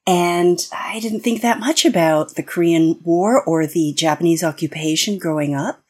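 A woman's voice: lowish voice, normal speed, a little mellow, husky. An American woman speaking as a guest on an interview podcast, explaining in an earnest way with frequent restarts. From United States. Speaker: guest expert.

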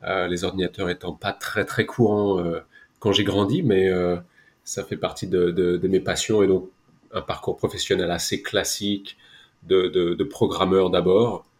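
Middle-aged male podcast guest, French accent, low voice, casual and halting delivery with repeated words. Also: flat delivery. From France. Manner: hesitant, repeating words as he goes. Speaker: interview guest, tech company co-founder. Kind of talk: casual interview account.

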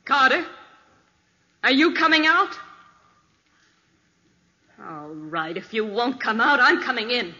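A ruthless, sneering woman crook, commanding and swooping in pitch. The old radio recording is dull and rings with long reverb. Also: big pitch swings, takes it slowly, pauses often, sharp tone, heavily acted. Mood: menacing. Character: ruthless, domineering female crook with a gun. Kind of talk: 1940s radio acting.

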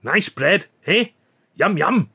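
A man's voice: high-pitched, lively intonation, slow, pushed and bright, husky, pitched above the performer's own voice, exaggerated voice. A man voicing a cocky, bossy little Scottish film comedian in an audiobook. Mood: coaxing. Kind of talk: audiobook character voice.

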